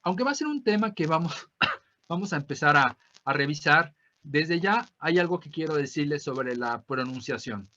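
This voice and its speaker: A man with a Mexican accent teaches an online class in a bright, fairly high voice. He explains patiently, keeps checking in with his students through tag questions, and slowly repeats words so they can copy his pronunciation. The audio is dull and lo-fi, as if it were captured over a video call. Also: expressive. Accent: Mexican Spanish. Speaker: language teacher.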